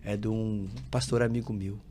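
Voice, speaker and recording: A man's voice: lowish voice, normal speed, a little hiss or hum. A man, a pastor, telling his personal testimony as a podcast guest, acting out the dialogue of his story and quoting scripture like a preacher. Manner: lively storytelling, acting out dialogue, frequent filler tags; preacherly, quotes scripture with rising emphasis.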